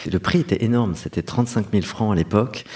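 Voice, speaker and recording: A middle-aged man, a novelist, answering interview questions about his writing in an earnest, reflective way, pausing often with hesitations. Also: lowish voice, darkish tone. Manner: reflective, earnest, speaks of himself at length with frequent hesitations. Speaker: novelist guest. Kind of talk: interview conversation.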